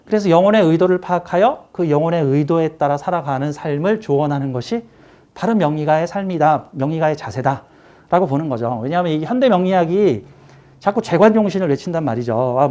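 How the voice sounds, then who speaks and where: A man's voice: fairly high pitch, a little mellow. A man teaching a saju class, explaining a chart with emphatic, repetitive pointing phrases. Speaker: saju lecturer. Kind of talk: classroom lecture.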